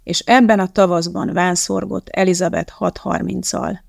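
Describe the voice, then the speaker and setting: Gravelly audiobook narrator, dry and close. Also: medium pitch, flat delivery, no room sound.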